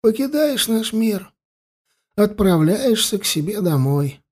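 A man voicing a smug, calm old high priest. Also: husky, full character voice. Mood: insistent. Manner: soft, insistent, measured and smug.

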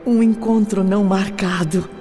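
A woman's voice: medium pitch, steady tone, normal speed, dark tone, natural voice. An actress voices a young orphaned woman in a radio drama, recalling a love in a dreamy, wistful tone. Her mid-range voice sits in a long reverb, with music playing underneath. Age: young adult.

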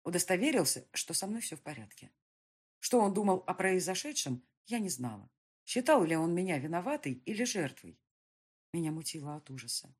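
A woman's voice: fairly low pitch, breathy edge. A woman narrating an audiobook in the first person, reading dramatically and expressively. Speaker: audiobook reader.

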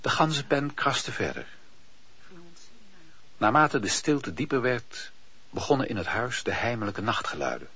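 A man with a husky voice narrating a Dutch radio play as a scripted storyteller. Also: medium pitch, big pitch swings, measured pace, pauses often, sharp tone. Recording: dull, muffled old radio-play recording.

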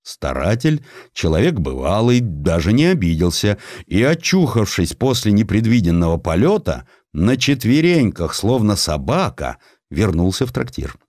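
A man with a deep voice narrates historical literature in a dramatic storytelling style. His delivery is lively and widely varied in pitch, and the recording is dry and close. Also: normal speed, no room sound. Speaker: audiobook narrator.

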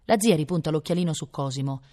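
A woman reading a novel aloud, expressive and giving each character a voice. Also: sits low, fast, in a large hall. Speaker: audiobook reader.

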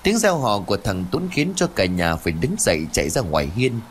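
A man narrating a ghost story in an animated, dramatic storytelling manner. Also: on the low side, brisk, slight background noise.

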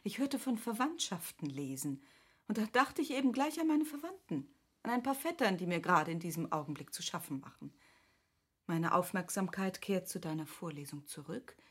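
Gracious period lady, husky voice. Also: lowish voice, very animated, moderate pace. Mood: apologetic. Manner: polite, formal, thoughtful. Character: gracious, articulate, curious lady of Goethe's era. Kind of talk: classic German radio play acting.

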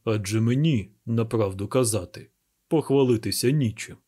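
A man voicing a gruff, stubborn police inspector who grumbles and talks slowly and heavily. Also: mid-range voice, mellow, natural voice. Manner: gruff, grumbling, slow and heavy.

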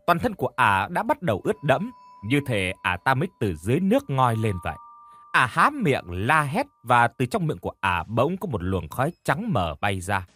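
A man's voice: mid-range voice, fairly bright tone, husky. A man narrating a horror audiobook in an emotive, dramatic storytelling style.

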